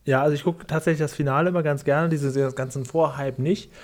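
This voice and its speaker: A man's voice: on the high side, fairly even intonation, quick pace, darkish tone. A man hosting a casual conversation, rambling and wry, often correcting himself mid-sentence. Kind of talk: casual chat.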